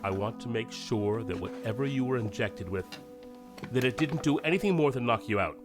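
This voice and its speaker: A man's voice: mid-range voice, expressive, normal speed, music in the background, close to an everyday voice. A man playing an anxious, protective middle-aged scientist father in an audio drama, speaking hesitantly, carefully and earnestly. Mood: worried, earnest.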